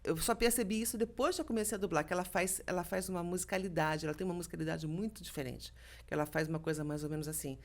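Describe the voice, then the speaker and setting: A middle-aged woman from Brazil talks in a relaxed podcast interview, with a fairly low voice. She tells anecdotes with energy and acts out what people said. She is a voice actress speaking as a guest. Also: quick pace. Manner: lively storytelling, acts out quoted dialogue.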